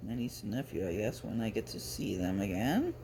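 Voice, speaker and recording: A man's voice: fairly low pitch, lively intonation, a little fast, warm tone. A man vlogging casually, chatting and reading aloud in a rambling, self-interrupting way. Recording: clear background noise, ambient sound.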